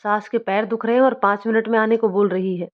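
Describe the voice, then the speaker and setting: A woman's voice: medium pitch, fairly even intonation, quick pace, lightly acted. A woman voicing a cruel, mocking village father-in-law who eggs others on, in a dull lo-fi recording. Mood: gruff. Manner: gruff, egging others on.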